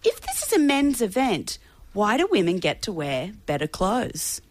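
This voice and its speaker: A woman's voice: mid-range voice, normal speed, slight background noise. An Australian woman hosting a radio show, chatting casually and giggling easily. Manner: giggly and animated. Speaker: radio host.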